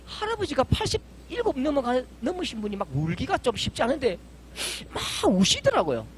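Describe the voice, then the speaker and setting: A man's voice: extremely high pitch, wildly swooping pitch, a little fast, a little hiss or hum. A middle-aged male pastor, preaching a fervent, emphatic sermon full of vivid stories.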